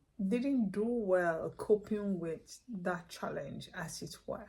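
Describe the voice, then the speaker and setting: Very slowly, a woman speaks at a medium pitch with a strong Nigerian accent, a somewhat breathy voice and ordinary pitch variation. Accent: thick Nigerian English. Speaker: immigrant vlogger. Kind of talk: casual talk to camera.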